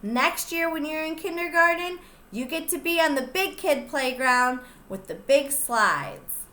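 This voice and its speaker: A young woman pre-K teacher reading a picture book aloud to small children, slow and gentle, stopping to ask them questions. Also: high voice, animated, echoey room. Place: classroom.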